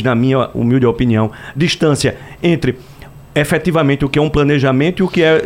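A man's voice: medium pitch, darkish tone. A man from Brazil on a radio talk show panel, asking a long, winding question with modest asides.

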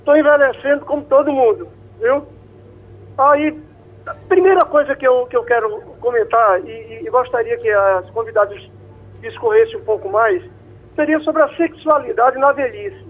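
A man's voice: extremely high pitch, moderate pace. Man in his sixties on a tinny phone line. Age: 60s. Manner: courteous, chatty, repeats words as he starts. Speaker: radio caller. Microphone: telephone.

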